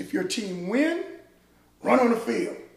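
A man talks with lively intonation amid audible room echo and noticeable background noise. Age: 50s. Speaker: NFL wide receivers coach. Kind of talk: casual interview.

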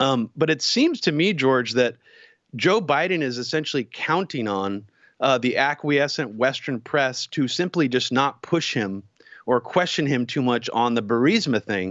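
At a moderate pace, a man speaks in a medium pitch with lively intonation. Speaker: filmmaker and podcast host. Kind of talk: interview. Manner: hesitant, many fillers.

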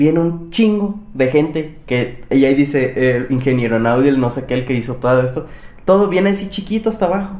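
Fairly quick, lively speech from a man with a Mexican accent and fairly high pitch, with noticeable background noise and audible room echo. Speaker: podcast co-host. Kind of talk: casual chat.

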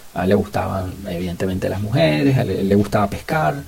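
A man at a very fast pace with lively intonation, over noticeable background noise. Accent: Venezuelan. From Venezuela, Valencia (Carabobo). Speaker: podcast host. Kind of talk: casual solo podcast monologue. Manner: halting, many fillers and repeats.

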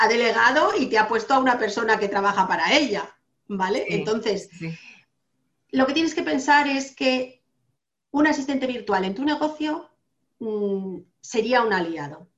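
A fairly high-pitched woman with lively intonation at a moderate pace. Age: 50s. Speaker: virtual assistant. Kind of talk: interview.

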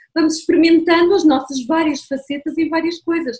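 Here a woman talks at a moderate pace. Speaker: podcast co-host. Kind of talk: casual chat. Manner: halting.

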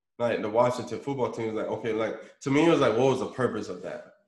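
Audible room echo surrounds this recording. A man speaks at a medium pitch. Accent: American. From Tampa, Florida. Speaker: sports agent. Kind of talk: interview.

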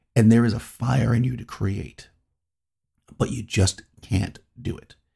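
This man has a dark, mellow tone, a fairly low pitch and some vocal fry. His intonation is lively. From New England. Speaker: podcast host. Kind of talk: solo podcast monologue.

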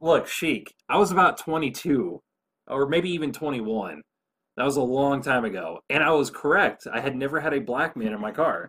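A man with an ordinary speaking voice talks at a moderate pace, his pitch fairly high and his intonation lively. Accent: American. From US South. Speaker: podcast host and streamer. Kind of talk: casual chat.

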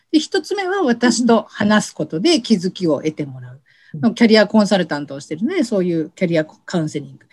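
A woman with a medium pitch speaks at a fairly quick pace, somewhat breathy, with very wide pitch swings and big swings in loudness against a quiet background. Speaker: career consultant. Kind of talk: interview. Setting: online call.

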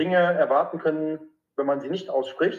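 A man in a normal speaking voice at a moderate pace. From North Rhine-Westphalia, Germany. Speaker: real estate investor and entrepreneur. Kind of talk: interview.

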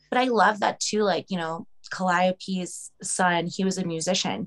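A woman's normal speaking voice in an American accent, medium in pitch, fairly slow, with fairly even intonation. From US, Pennsylvania and Colorado. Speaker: tarot and mythology practitioner. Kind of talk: casual interview.

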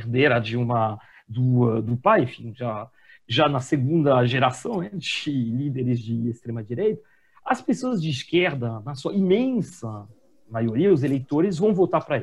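Lively intonation marks this fairly slow delivery. The voice has a somewhat breathy quality. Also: man, medium pitch for a man. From France. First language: French (speaking Portuguese). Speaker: economics professor. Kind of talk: panel discussion.

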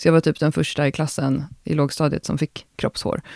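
In a very clean recording with a silent background and a dry, close sound with no echo, a woman speaks at a moderate pace in a very deep, low voice with vocal fry. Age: 40s. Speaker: podcast host, strength coach. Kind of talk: casual chat.

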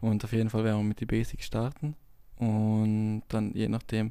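With a South Tyrolean accent, a man speaks at a moderate pace in a fairly low, dark and mellow voice, his intonation monotone and flat. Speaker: podcast co-host. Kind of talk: casual chat.

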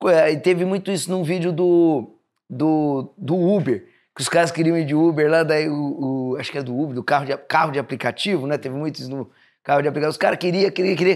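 With an ordinary speaking voice, a man talks at a fairly quick pace, fairly high-pitched for a man with ordinary pitch variation, in a very clean recording with a silent background. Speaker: podcast host. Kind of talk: casual banter, podcast chat.

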